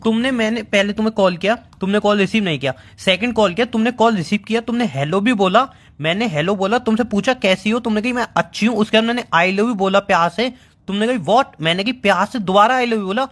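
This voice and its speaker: A man's voice: high-pitched, quick pace. A man on a phone call with his girlfriend, defensive and exasperated, asking what went wrong. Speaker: boyfriend on a call. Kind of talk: heated phone argument.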